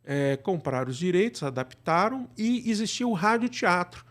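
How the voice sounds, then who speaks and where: A man's voice: high-pitched, very animated, normal speed, fairly bright tone. A man with a Brazilian Portuguese accent explaining things conversationally as an interview guest, often adding short tag questions. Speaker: guest, radio drama producer.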